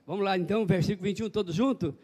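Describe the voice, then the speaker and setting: High-voiced preaching man. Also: very fast, breathy edge. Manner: folksy, animated preaching with calls to the congregation. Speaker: pastor. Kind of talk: evangelical sermon.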